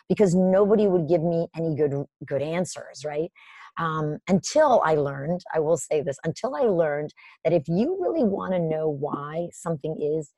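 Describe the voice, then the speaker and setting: A woman guest in a casual interview, telling stories in a lively way with many "like" and "you know" fillers. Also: low-pitched, no room sound. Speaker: podcast guest.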